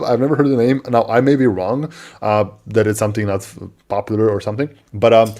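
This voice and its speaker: Low-voiced man from Serbia, halting delivery. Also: darkish tone. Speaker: live stream co-host. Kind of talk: casual tech chat.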